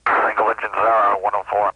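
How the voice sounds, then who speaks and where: A crew member on a spacecraft reading calls back over a radio transmission, short and clipped. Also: male voice, fairly low pitch, flat delivery, fairly quick, breathy edge. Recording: dull lo-fi radio with faint hiss.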